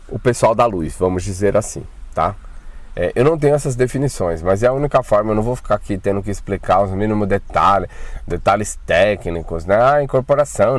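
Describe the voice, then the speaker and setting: A man casually recounting his own frightening experience, talking in a colloquial, animated way with slang and swearing. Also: fairly low pitch, no room sound. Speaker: channel host telling his own spiritual experiences. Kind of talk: casual first-person storytelling.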